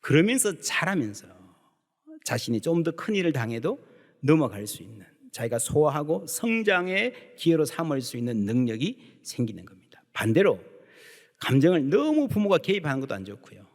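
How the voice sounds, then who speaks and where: A man preaches from the pulpit with a lively, swooping delivery, his voice sitting a little high for a man. He slips into little acted voices for the people he quotes. The sound rolls through a church sanctuary with a long reverb behind each phrase. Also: moderate pace. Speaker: pastor. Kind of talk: sermon.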